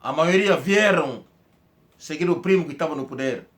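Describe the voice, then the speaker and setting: Emphatic high-voiced man. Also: normal speed, fairly bright tone. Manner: emphatic, accusatory, repeats words when stumbling. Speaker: political commentator. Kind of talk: impassioned political monologue.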